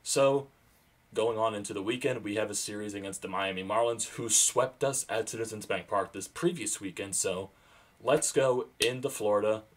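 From a small room at home, a young man who vlogs about sports speaks into his webcam, breaking down the game with a fan's excitement. His fairly low voice moves from calm to loud, excited bursts on the big plays, and it's starting to fail because his throat is sore.

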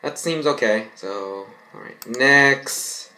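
With a sharp tone and a mid-range voice, a young man slowly reads fan fiction aloud and reacts to it, rambling and often fumbling his words in an amateur way. He records from his bedroom at home.

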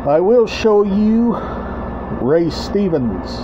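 Very animated and high-pitched, a middle-aged vlog host rambles casually through a show-and-tell of his collection. His delivery is halting, broken into short phrases with repetition. He's recording from a small room at home, and the dull lo-fi sound resembles a webcam, with clear background noise.

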